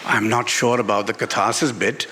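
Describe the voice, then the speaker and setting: Pakistani man, halting and emphatic. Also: fairly low pitch, fairly even intonation, noisy background. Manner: halting, repeats words and phrases emphatically. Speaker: author and journalist being interviewed. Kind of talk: live book talk, spontaneous answers. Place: literary festival stage in a garden venue.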